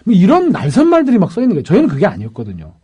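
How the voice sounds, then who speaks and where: A man, a defense lawyer, telling a case story in a lively panel talk and acting out the people he quotes. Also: sits high, racing, slightly rough.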